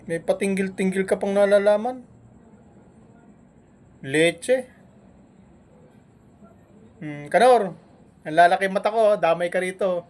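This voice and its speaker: A man scolding and mocking a rival on a live stream, with taunting jabs and long humming pauses between them. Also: sits high, darkish tone. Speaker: vlogger.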